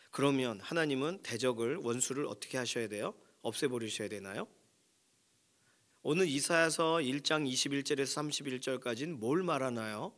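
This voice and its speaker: A man's voice: medium pitch, a bit bright. A man preaching a dawn sermon as pastor, asking rhetorical questions and pressing each point with emphasis. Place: church prayer room.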